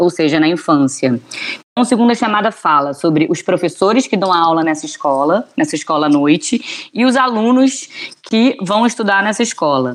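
Speaking at a moderate pace, a woman with a fairly low voice makes very wide pitch swings while keeping her loudness very even. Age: 40s. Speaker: TV and film director. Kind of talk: interview.

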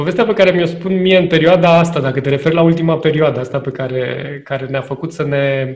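Very fast male speech, fairly high in pitch, with ordinary pitch variation. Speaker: corporate trainer and coach. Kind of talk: interview.

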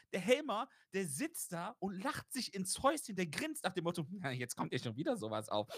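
A man speaks in an animated tone with a high voice and very wide pitch swings, at a moderate pace. The sound is dry and close, with no echo. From Germany, Mönchengladbach. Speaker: football podcast co-host. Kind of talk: casual chat.

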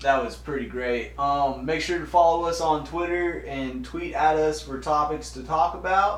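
Speech at a moderate pace with hardly any pauses, carrying an audible room echo. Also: man. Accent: Texan. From Texas. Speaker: podcast co-host. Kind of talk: casual chat.

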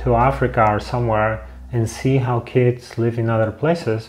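This man speaks with a Polish accent at a fairly slow pace. His intonation stays fairly even. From Poland. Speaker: YouTuber and life coach. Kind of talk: casual monologue to camera.

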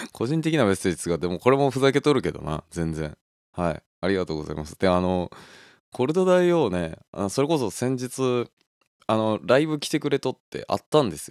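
A man at a medium pitch talks at a fairly quick pace with very wide pitch swings and big swings in loudness, captured in a dry, close sound with no echo on a very clean recording with a silent background. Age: 30s. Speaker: band vocalist and guitarist hosting a podcast. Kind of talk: casual solo podcast talk. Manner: animated.

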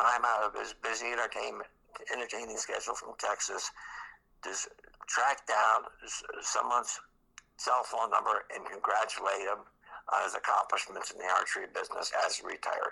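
A whisper at a moderate pace, with an American accent. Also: man. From US Northeast, New York. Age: 70s. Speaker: archery industry founder and bowhunter. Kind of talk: casual interview conversation.

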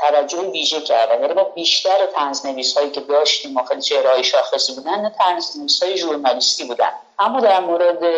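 A woman with a Tehran accent at a very fast pace, over noticeable background noise. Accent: Tehrani Persian. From Tehran, Iran. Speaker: writer and reading promoter. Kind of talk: interview.

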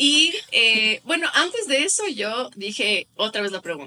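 A woman speaks in a raised, projected voice at a fairly slow pace. Her pitch swings very widely. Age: 20s. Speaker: entrepreneur. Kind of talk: interview.

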